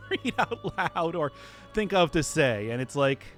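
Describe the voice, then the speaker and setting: A man's voice: on the high side, big pitch swings, a little slow, faint music behind. A man hosting a let's-play, chatting in a jokey, rambling way while playing a game. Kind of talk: casual game commentary.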